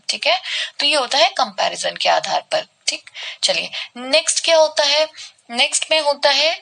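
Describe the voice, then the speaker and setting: A woman teaches reasoning in an online exam-prep lesson. Her voice is bright and a little high, with a gravelly fry underneath. She walks through each pattern step by step, drops in English terms, and keeps checking that the class is following. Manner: explains step by step, checks in with "ठीक है"; mixes English terms into Hindi.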